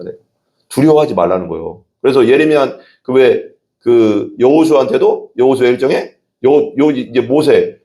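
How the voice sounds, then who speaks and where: A man's voice: mid-range voice, mellow. A male pastor giving a conversational sermon, asking the congregation rhetorical questions and breaking into sudden exclamations.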